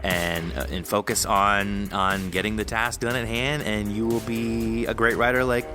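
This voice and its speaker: Low bright guy voice, podcast host chatting casually, upbeat and encouraging, some music under it. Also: steady tone, unhurried. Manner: enthusiastic, encouraging, informal. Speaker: podcast host interviewing an author. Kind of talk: casual interview chat.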